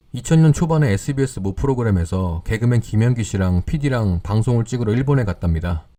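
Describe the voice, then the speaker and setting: A man calmly narrating scripted horror stories in a measured, storytelling way. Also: lowish voice.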